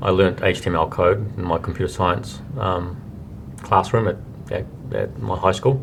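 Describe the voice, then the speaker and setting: A New Zealand accent at a moderate pace, with long, frequent pauses, ordinary pitch variation and noticeable background noise. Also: man, very deep, low pitch for a man. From New Zealand, Whangarei. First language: Japanese. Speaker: entrepreneur. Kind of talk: interview.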